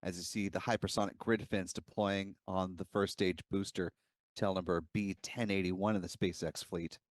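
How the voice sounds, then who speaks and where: Man, live launch commentary, very low voice, dry sound, explanatory. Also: level tone, normal speed, no room sound.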